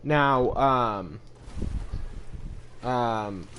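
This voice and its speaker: A young man speaking through a voice changer that deepens his voice, giving a rambling, casual voice-over of his game map and often stopping to correct himself. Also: extremely slow, a bit bright, slight background noise. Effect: voice changer lowering the pitch.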